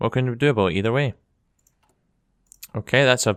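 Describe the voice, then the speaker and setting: Very fast speech from a man comes through a very clean, dry, close recording with a silent background and no echo. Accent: Scottish. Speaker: gaming YouTuber. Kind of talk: reading aloud; casual gameplay commentary.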